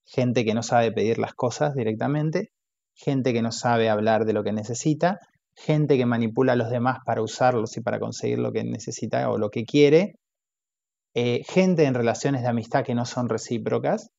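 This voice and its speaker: A man's voice: mid-range voice, moderate pace, gravelly, warm tone, no echo. A man reading a self-help audiobook, adding casual asides. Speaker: audiobook narrator. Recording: dull, dry lo-fi recording.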